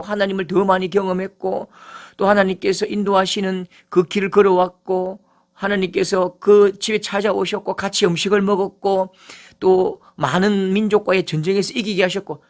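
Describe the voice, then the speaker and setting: A middle-aged male pastor delivering a sermon, with emphatic rises and low, quiet asides.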